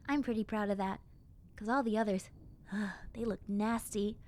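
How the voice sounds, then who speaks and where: A woman's voice: medium pitch, unhurried, a little mellow, natural voice. A woman voicing a friendly, lonely young zombie girl in an audio roleplay, chatting casually and girlishly straight to the listener. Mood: cheerful, fussy.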